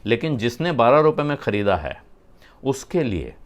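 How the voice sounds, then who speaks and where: Male business commentator, mid-pitched, chatty and explanatory, often pausing with fillers. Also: big pitch swings. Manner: conversational, explains terms with frequent "uh" pauses.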